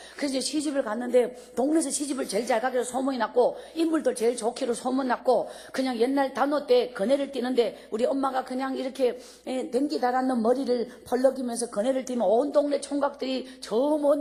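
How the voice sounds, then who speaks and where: In an animated tone and at a fairly quick pace, a woman speaks with a high pitch. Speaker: evangelist. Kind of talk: testimony. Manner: animated storytelling.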